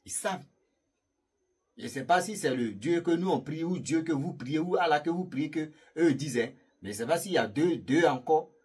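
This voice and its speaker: Very husky man telling a story. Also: fairly high pitch, lively intonation, normal speed, darkish tone. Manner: chatty and rambling, laughing at his own jokes, addressing viewers directly. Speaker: YouTube storyteller. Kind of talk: casual spoken storytelling to viewers.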